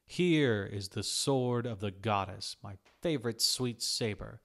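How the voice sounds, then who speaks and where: A rude, territorial head chef acted by a male narrator in a storybook reading. He is theatrical, insulting and commanding, with a forceful loud delivery. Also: lowish voice, unhurried, creaky. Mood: scornful, loud.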